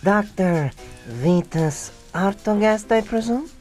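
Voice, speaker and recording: A woman's voice: mid-range voice, expressive, slow, a little mellow. A woman playing a grandiose, indignant young male mad scientist in a melodramatic comedy radio play. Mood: pompous. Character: pompous young male mad scientist, theatrical upstart villain. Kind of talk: comedic radio drama acting. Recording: music behind the voice.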